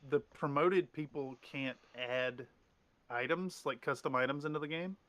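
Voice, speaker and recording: A man serving as game master for a streamed tabletop game, voice a touch high and sharply bright. He rambles through rulings, restarting sentences and filling gaps with ums. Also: a little slow, dry recording. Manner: rambling, many restarts and fillers.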